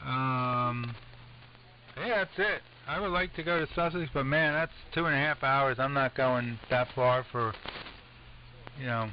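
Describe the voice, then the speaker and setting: An American man, middle-aged or older, chatting casually and haltingly as an amateur radio operator over an AM shortwave link. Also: medium pitch, highs cut off. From United States. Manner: rambling, halting. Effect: AM shortwave radio transmission. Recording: noisy, band-limited AM shortwave radio. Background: steady radio noise.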